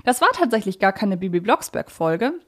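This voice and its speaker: A woman's voice: mid-range voice, big pitch swings, normal speed, a bit bright. A woman podcast host moderating conversationally, explaining things in a chatty, wordy way.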